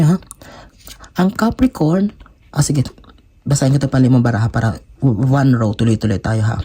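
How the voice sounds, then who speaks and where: A man's voice: fairly high pitch, dark tone, breathy edge. A young man with a Filipino accent giving an emotional tarot reading, switching between Tagalog and English. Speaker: tarot reader.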